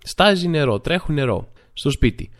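This man hosts a podcast and rambles through funny anecdotes, leaning heavily on filler words. When he quotes others he performs their lines, his pitch leaping up and down with lively energy.

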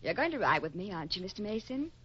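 An actress playing a flirtatious, theatrical movie starlet with a grand, coquettish manner in a 1950s radio western. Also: female voice, mid-range voice, very animated, very fast, bright, forceful tone, breathy edge, heavily acted. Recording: muffled old radio recording.

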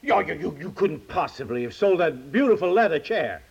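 An excitable, sentimental husband in a 1950s radio comedy. His fairly high voice swings up and down as he stammers and repeats himself, on a muffled old recording. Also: brisk, creaky, slightly rough, heavily acted. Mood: aghast, indignant. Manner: stammering, repeating words, animated.

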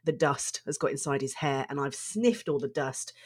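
A woman's voice: extremely low pitch, lively intonation, moderate pace, slightly rough. A middle-aged woman psychotherapist hosting her own podcast, her voice congested and stuffy from allergies, talking earnestly and doubling words for emphasis. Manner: earnest, emphatic word repeats. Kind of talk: solo podcast monologue.

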